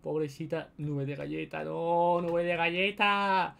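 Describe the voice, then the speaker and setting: A man's voice: fairly high pitch, level tone, a little slow, gravelly, a bit bright, clear, resonant tone. A young man with an accent from Spain giving casual, chatty gameplay commentary to his viewers, often repeating his phrases. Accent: Spain Spanish. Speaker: gaming video host.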